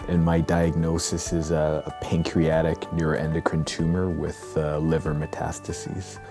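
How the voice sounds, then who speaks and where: Very deep-voiced man in his thirties. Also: completely flat delivery, a little slow, over music. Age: 30s. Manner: careful, hesitant. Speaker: interviewee. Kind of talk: personal testimony.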